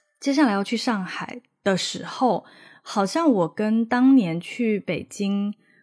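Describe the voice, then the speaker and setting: A woman with a fairly high pitch talks at a very slow pace, her voice somewhat breathy. The recording is very clean and the background silent. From Guangdong, Shenzhen. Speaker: podcast co-host. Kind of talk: casual chat.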